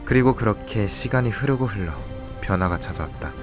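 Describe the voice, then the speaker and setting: Guy acting brooding student in an audio drama, lowish voice, measured introspective delivery, faint music behind. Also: animated, close to an everyday voice. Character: brooding, secretive young male student, an observant older classmate. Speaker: voice actor in a student radio drama. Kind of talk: Korean radio drama dialogue and first-person narration.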